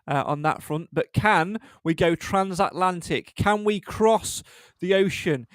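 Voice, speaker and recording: A man from the hosts a live football fan podcast over a video call. His voice sits fairly high, and the sound is dry and close. He talks in a chatty, self-deprecating way and often pauses on fillers. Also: dry recording. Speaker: podcast host. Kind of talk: casual live podcast hosting.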